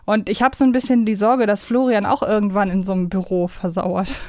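A woman's voice: mid-range voice, fairly even intonation, fairly quick, a little mellow, no room sound, studio quality. A woman co-hosting a podcast in casual conversation, often searching for words as they talk. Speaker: podcast co-host. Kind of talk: casual chat about a children's audio series.

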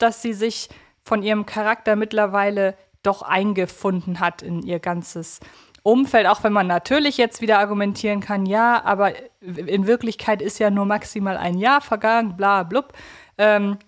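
On a relaxed podcast she co-hosts, a woman with a mid-range voice thinks aloud, reasoning through ideas in a reflective, well-spoken way.

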